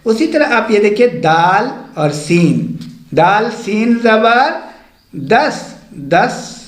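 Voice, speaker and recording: Patient, high-voiced man teaching slowly. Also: roomy sound. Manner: patient, repeats letter names slowly. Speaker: Urdu teacher. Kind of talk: step-by-step language lesson.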